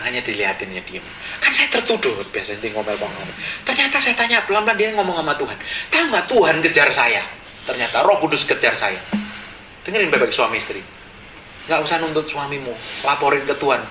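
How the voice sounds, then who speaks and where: A pastor, preaching with animated storytelling and acting out the people in his stories. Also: a little high, slight background noise. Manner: animated, acts out quotes and laughs along. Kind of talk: storytelling sermon. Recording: echoey room with faint ambience.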